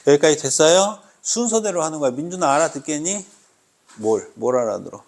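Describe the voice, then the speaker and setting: A man's voice: on the high side, lively intonation, a little fast, a little mellow. A man teaching a grammar class to students in a classroom, quizzing them constantly and mock-scolding them in a teasing way. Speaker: Korean language teacher.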